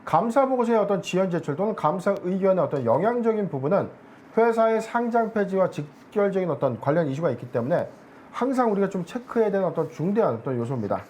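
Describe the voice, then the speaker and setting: A man speaking as an analyst guest on a stock market show, explaining in a measured way with many filler words. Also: high voice, very animated, a little mellow, a little hiss or hum.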